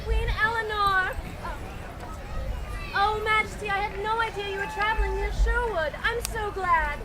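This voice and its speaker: Woman playing high-pitched spirited Maid Marion, loud crowd. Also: fairly even intonation, moderate pace, very noisy. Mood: surprised. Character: Maid Marion, Robin Hood's devoted, spirited wife. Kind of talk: theatrical Renaissance faire stage acting. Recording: loud outdoor crowd ambience.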